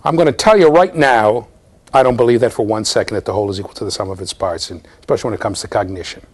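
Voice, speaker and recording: A husky-voiced man in his fifties, pitched on the low side, lectures quickly to a university class in a room with bookshelves. His explanations are eager, peppered with "okay?" and "right?"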